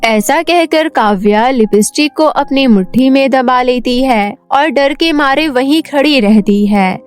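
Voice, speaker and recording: Female narrator for children's cartoon stories: fairly high voice, scripted storytelling, faint music underneath. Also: measured pace, clear, resonant tone.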